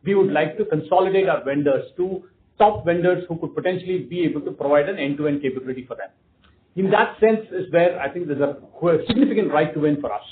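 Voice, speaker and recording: A man talks quickly and emphatically in a fairly high voice. He explains the business to analysts on an earnings call. The sound is a tinny phone line. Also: slight background noise. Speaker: company executive answering analysts.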